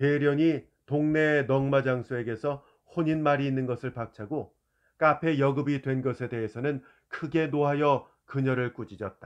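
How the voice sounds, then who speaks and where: A man speaks in a normal speaking voice, fairly high in pitch and at a fairly slow pace. His intonation stays fairly even over a quiet background. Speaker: announcer. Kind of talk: audiobook reading.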